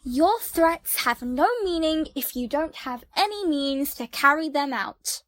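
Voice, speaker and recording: A woman playing a young heroine in an audio drama, speaking in a deliberate way. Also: sits high, expressive, no echo. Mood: defiant. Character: defiant young heroine confronting a villain.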